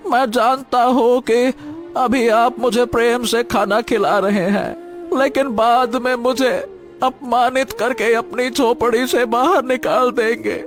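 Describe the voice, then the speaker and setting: An actor voicing a weary, troubled old beggar in a cartoon story, speaking in a hesitant, pleading way. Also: male voice, extremely high pitch, steady tone, a little slow, faint music behind. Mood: anguished.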